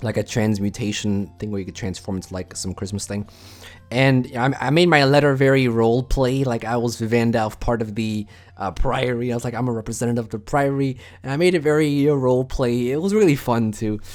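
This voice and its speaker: A man talks at a fairly quick pace, and the recording is very clean with a silent background. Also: medium pitch for a man, ordinary pitch variation. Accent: slight German. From Germany. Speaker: gaming YouTuber. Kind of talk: casual Q&A chat to viewers. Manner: hesitant, many fillers; animated.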